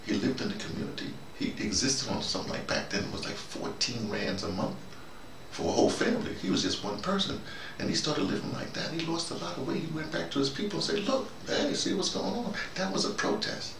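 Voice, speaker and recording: An older American man giving a rambling, halting conversational monologue, repeating himself and speaking colloquially with emphasis. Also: medium pitch, lively intonation. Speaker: host, storytelling activist. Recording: noisy, roomy, distant microphone.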